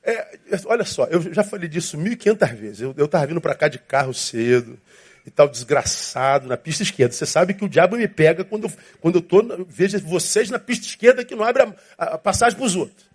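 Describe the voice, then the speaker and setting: A man, preaching a lively, jokey sermon as a pastor and acting out little voices as he goes. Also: a little high, a little fast, husky. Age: 50s.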